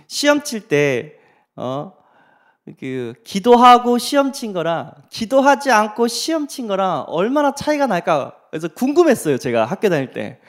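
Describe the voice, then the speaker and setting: A middle-aged male preacher recounts personal stories in an animated way. His voice sits a little high and swings widely in pitch. He often throws rhetorical questions to his listeners. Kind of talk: sermon storytelling.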